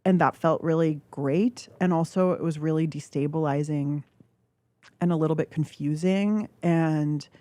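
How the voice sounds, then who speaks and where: A woman in her forties talks through her thoughts slowly and candidly, with plenty of filler words. Her voice sits low and mellow. The studio mic sounds close and dry. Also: steady tone, dry recording. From California. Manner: reflective, halting, with filler words. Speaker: guest author. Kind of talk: candid radio interview. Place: radio studio. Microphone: studio microphone.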